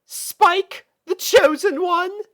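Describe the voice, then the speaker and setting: A narrator voicing a melodramatic female pony damsel, shrill and swooning, in a storybook reading. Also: extremely slow, sharp tone, heavily acted.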